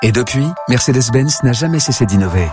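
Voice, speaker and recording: A man's voice: medium pitch, lively intonation, fairly quick. A man reading a car commercial in a polished advertising tone. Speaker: ad voice-over. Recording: music bed behind.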